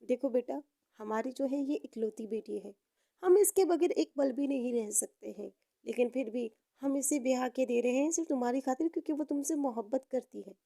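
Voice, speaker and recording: A woman's voice: sits high, moderate pace, creaky, warm tone. A woman playing a possessive, doting middle-aged rich mother in a story, insistent and emphatic. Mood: reluctant.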